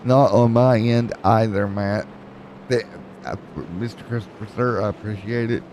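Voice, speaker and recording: A man's voice: lowish voice, steady tone, normal speed, a little mellow, slight background noise, rough recording. A man calling an esports race, with jokes and rambling play-by-play. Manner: joking, rambling play-by-play with fillers. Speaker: race commentator.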